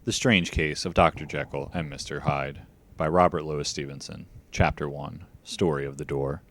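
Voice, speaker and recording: A man's voice: a bass voice, fairly even intonation, normal speed. A man working as a voiceover artist, reading scripted narration and advertising copy.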